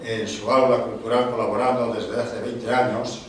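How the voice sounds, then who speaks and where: A middle-aged man at a panel table introducing an author at a book launch. He works through a long biography in measured lists, with small hesitations and restarts. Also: medium pitch, flat delivery, recorded from a distance, slight background noise. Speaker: event host presenting an author. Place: large conference room, seated at a panel table. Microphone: table microphone. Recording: very echoey hall, voice from off-mic.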